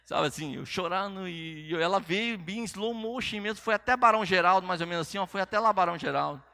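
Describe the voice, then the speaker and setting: A middle-aged Brazilian man preaching, telling a personal story with lively quoted dialogue. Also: high voice, fast, gravelly, dry recording. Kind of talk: sermon testimony.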